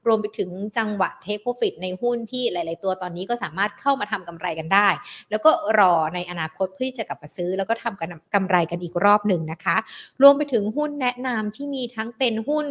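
A young woman hosting a stock market live stream, a little hoarse, chatting politely and greeting viewers. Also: mid-range voice. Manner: polite, chatty, peppered with soft sentence particles. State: slightly hoarse. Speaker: host of a stock market show.

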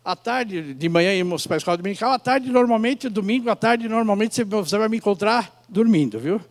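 Male pastor, 50s, high voice, informal storytelling sermon, conversational and direct with listeners. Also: animated, brisk. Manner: conversational, addresses listeners directly with rhetorical questions. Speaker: pastor preaching to a congregation.

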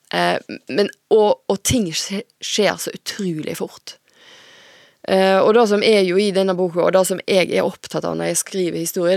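A woman author speaks with a low, gravelly voice. She reads her novel aloud and answers questions with many pauses and fillers. The sound is dry and close. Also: dry recording. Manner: hesitant, many fillers when talking freely.

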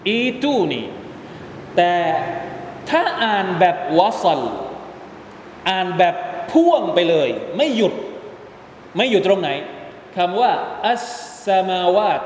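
A man's voice: sits high, sing-song, measured pace, long pauses. A man giving a religious lesson, explaining pronunciation step by step and quizzing his listeners. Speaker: Quran commentary teacher. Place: mosque hall. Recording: echoey hall with long reverb, faint background noise.

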